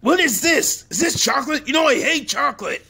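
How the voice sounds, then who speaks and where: A man's voice: extremely high pitch, expressive, a little fast, creaky, bright, forceful tone, slight background noise, exaggerated voice. A man voicing a picky, bossy schoolboy bully in a comic cartoon dub, dismissive and demanding.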